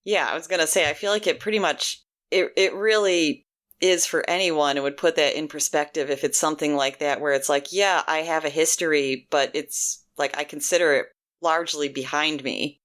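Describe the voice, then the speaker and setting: Low-voiced woman, supportive and rambling. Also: steady tone, moderate pace, fairly bright tone. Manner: supportive, rambling, many restarts. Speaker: podcast co-host. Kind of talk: casual podcast conversation.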